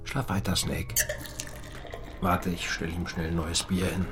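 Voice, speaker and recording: Enigmatic male barkeeper, deep, laconic, laid-back, unflappable, radio drama. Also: level tone, a little slow, over music. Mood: calm, laconic. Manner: laconic, unruffled, matter-of-fact. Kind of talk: naturalistic radio drama acting.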